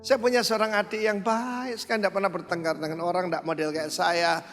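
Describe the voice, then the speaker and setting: A pastor delivers an animated sermon, his fairly high male voice jumping to loud exclamations. The sound rings with the long reverb of a large hall. Soft music plays faintly underneath. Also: brisk. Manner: animated preaching with sudden loud outbursts.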